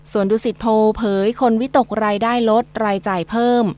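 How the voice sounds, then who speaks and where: A woman's voice: on the high side, steady tone, moderate pace, a little mellow. A woman reading scripted news as a radio newsreader.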